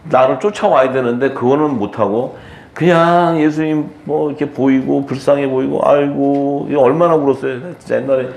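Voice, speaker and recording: A man preaching in a chatty, animated seminar style, acting out quotes in a raised voice. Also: medium pitch, fairly quick, vocal fry, reverberant. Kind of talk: conversational sermon seminar.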